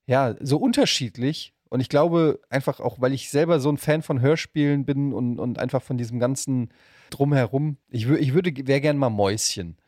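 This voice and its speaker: A man's voice: medium pitch, normal speed, darkish tone, dry recording. Male podcast host. Informal, keen, slangy, close dry sound. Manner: enthusiastic, informal with English slang. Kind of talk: casual podcast chat.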